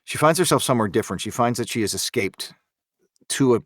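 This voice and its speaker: A man in a casual podcast discussion, speaking in a halting, reflective way. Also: mid-range voice, lively intonation, no echo, clean studio sound. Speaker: podcast participant, drama creator.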